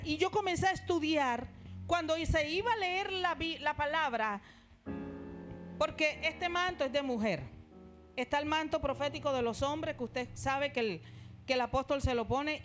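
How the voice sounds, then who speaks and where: A woman pastor with a Colombian Caribbean accent, preaching an emphatic sermon in a church. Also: very high voice. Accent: Colombian Caribbean Spanish. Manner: emphatic preaching, rising to exclamations. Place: church sanctuary.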